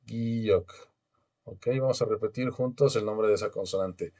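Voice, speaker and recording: A man's voice: fairly low pitch, unhurried, mellow. A man teaching a beginner language class online over a video call, patiently drilling pronunciation and having students repeat after him.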